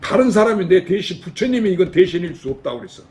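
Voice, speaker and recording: Fast and very animated, a high, slightly mellow voice belongs to an older Buddhist monk from Jeolla, South Korea. His folksy dharma talk in a temple hall keeps quizzing the lay audience with rhetorical questions.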